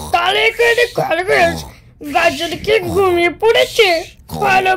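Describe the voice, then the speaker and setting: A cartoonish character voice at extremely high pitch. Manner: calm, measured.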